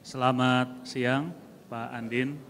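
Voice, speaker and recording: A man's voice: mid-range voice, steady tone, takes it slowly, a bit bright, slight background noise. Deferential man asking a question in a hall. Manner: deferential, hesitant. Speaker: audience questioner, civil servant. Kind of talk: formal question.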